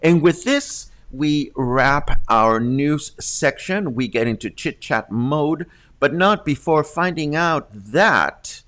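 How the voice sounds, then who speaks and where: A man's voice: on the high side, expressive, slow, a bit bright. Man, 50s, congested news host, casual and chatty, home studio mic. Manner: chatty, reads viewer comments aloud. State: congested from allergies. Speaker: host of a local news livestream. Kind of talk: casual news reading and viewer chat. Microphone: large studio condenser mic.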